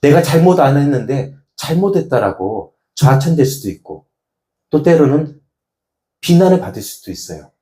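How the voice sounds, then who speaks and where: A male pastor giving a sermon in a folksy, animated way, breaking into laughs and acting out little examples. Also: a little high, normal speed. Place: church hall. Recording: echoey hall.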